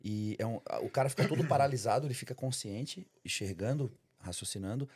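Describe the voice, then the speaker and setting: A man's voice: mid-range voice, breathy edge. A Brazilian man, a bodybuilder guest, telling a long story in a casual podcast chat, peppering it with "cara". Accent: Brazilian Portuguese. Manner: fast, animated storytelling full of "cara".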